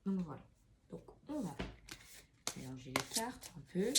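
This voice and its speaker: A woman's voice: lowish voice, sing-song, measured pace. A woman reading oracle cards in a casual, chatty way, full of fillers and restarts, in a room with an open window. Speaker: tarot card reader. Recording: faint street noise through window.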